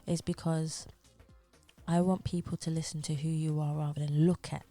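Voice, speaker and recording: A woman's voice: sits low, level tone, moderate pace, mellow, soft background music. A woman hosting a podcast interview, teasing and playful as she asks questions. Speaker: podcast host.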